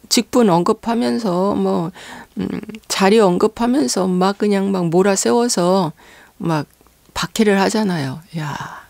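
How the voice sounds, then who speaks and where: A woman pastor preaching a sermon, earnestly posing rhetorical questions to the congregation and pausing on fillers between phrases. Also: medium pitch, vocal fry, a little mellow, no echo.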